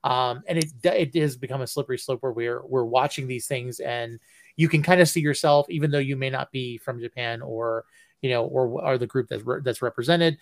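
A man co-hosting a podcast in casual chat, speaking haltingly with many restarts and fillers. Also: medium pitch, creaky, no room sound. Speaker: podcast co-host.

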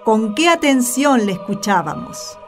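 A woman's voice: fairly high pitch, expressive, unhurried, music in the background. An Argentine woman playing a modest disciple who reminisces about her teacher in an amateur radio play. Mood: modest, reminiscing. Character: modest female disciple fondly recalling her master's teachings.

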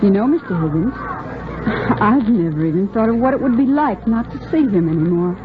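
A woman's voice: medium pitch, lively intonation, fairly quick, crowd noise, close to an everyday voice. An actress playing an earnest, spirited young woman shop clerk in a 1940s radio drama, heard over a tinny, noisy old broadcast. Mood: tender. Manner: earnest, pleading.

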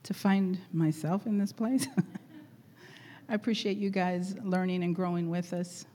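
A middle-aged woman leading a church gathering, chatty and laughing often, her voice going hoarse. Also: lowish voice, steady tone, a little slow, mellow. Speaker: church leader. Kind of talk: warm casual church greeting and exhortation.

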